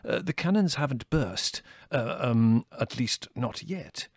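A man voicing a gentle, scholarly older man who speaks haltingly, full of ums and uhs. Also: medium pitch, lively intonation, creaky, no echo, studio quality, full character voice. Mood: hesitant.

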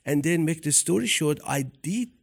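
Accented man telling a story haltingly. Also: fairly high pitch, lively intonation, creaky. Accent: non-native English. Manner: halting, with many restarts. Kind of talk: casual storytelling chat.

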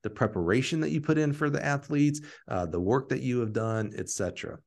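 A man's voice: medium pitch, vocal fry. A man hosting a podcast interview, talking casually with frequent restarts and filler words. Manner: rambling, halting with many restarts. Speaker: podcast host.

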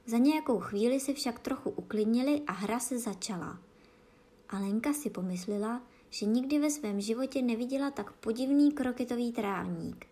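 Storyteller, woman, calm storybook narration, slightly high voice. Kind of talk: children's storybook reading.

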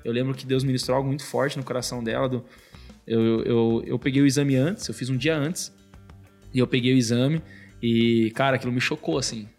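A man's voice: mid-range voice, steady tone, darkish tone, soft background music. A young man with a Brazilian accent, telling a personal faith story in casual chat and peppering his talk with "cara". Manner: fast, fills speech with "cara". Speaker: guest. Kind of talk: casual testimony.

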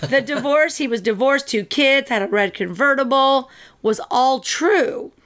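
A woman with a raspy voice hosting a casual podcast chat, reading out news headlines between remarks. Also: high-pitched, unhurried, fairly bright tone. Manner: reads headlines aloud, chatty with fillers. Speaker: podcast host.

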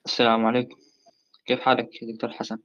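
A man's voice: mid-range voice, monotone. Man on a breaking-up call line. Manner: halting, many pauses and fillers. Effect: breaking-up online call connection. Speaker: debate participant calling in. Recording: muffled call audio with loud noise.

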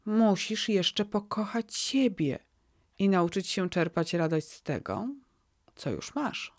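A woman voicing a gentle, kind fairy who speaks softly and soothingly, in a spoken fairy tale. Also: mid-range voice, animated, takes it slowly, no room sound, clean studio sound. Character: gentle kindly female fairy, warm and wise.

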